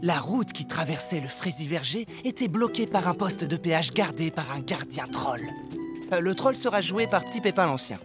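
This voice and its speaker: A man's voice: on the high side, animated, moderate pace, music in the background, natural voice. A man playing the narrator of a cartoon fairy tale, telling it in a scripted storybook style. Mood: storytelling.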